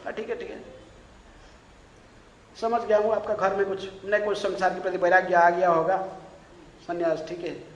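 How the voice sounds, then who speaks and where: A male preacher voicing a gentle, kind holy man who speaks softly and soothingly. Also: high voice, little pitch movement, normal speed, long pauses, slight background noise, natural voice. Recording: echoey lecture hall.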